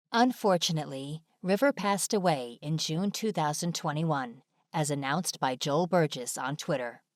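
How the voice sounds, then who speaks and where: A woman's voice: lowish voice, dry recording, studio quality. A woman reading scripted narration as the presenter of an informational video. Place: dry studio voice-over.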